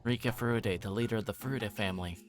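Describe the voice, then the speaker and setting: A man's voice: fairly low pitch, fast. A man reading a visual novel aloud on a livestream, narrating in first person and occasionally stumbling over words. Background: game music.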